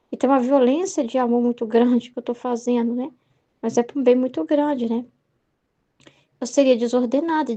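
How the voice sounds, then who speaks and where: A young Brazilian woman reflects aloud on a devotional book in a high, mellow voice. She wanders from thought to thought and keeps checking in with tag questions. The tone stays that of a spoken study. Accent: Brazilian Portuguese. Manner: meandering, heavy use of "né?" and "entendeu?" tags. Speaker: Catholic study leader.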